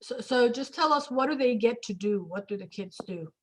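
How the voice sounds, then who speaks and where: A woman interviewer moderating a conversational panel, speaking deliberately with pauses between phrases. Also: fairly high pitch, expressive, low-quality recording.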